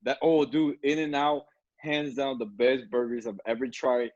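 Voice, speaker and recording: A man's voice: medium pitch, little pitch movement, measured pace, a little mellow, dry recording. Laughing young man on a dull webcam. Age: 20s. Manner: storytelling, laughs often. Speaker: podcast host. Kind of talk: casual chat on a video call. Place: indoor room at home. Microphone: video call webcam.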